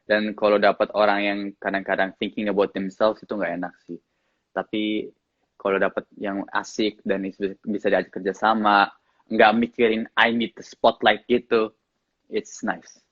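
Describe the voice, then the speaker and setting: A man with a slight English accent in his Indonesian, an actor chatting casually in an interview, relaxed and often laughing. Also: lowish voice, moderate pace, dry recording, muffled recording. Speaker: actor guest.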